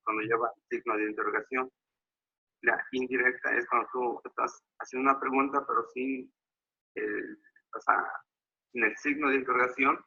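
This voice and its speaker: Hesitant student, husky and very bright voice, dull recording. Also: male voice, medium pitch, fairly even intonation, normal speed. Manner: hesitant, searches for words. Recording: dull lo-fi audio.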